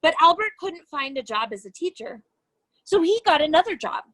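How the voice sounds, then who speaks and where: A woman reading a children's storybook aloud as an educator, with expressive, deliberate phrasing and emphasis on key words. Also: high-pitched.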